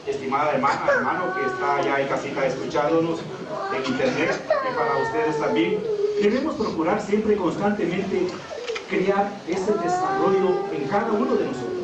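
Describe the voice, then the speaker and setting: Formal radio host, echoey and far off. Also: mid-range voice. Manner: warm, formal, addresses listeners as brothers and sisters. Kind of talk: live radio interview hosting. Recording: echoey room from far off, loud noise.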